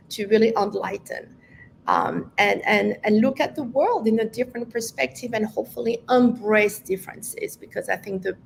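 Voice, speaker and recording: Woman, 50s, French accent, native French speaker, interview guest, gravelly, faint background noise. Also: medium pitch, poor audio. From France. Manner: reflective, with frequent restarts and fillers. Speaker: guest, language educator. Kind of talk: conversational interview.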